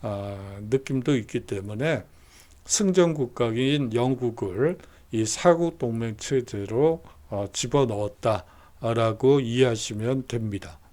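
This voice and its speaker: A man's voice: medium pitch, takes it slowly, a little mellow. A man giving a recorded university history lecture, explaining steadily with frequent hesitation fillers.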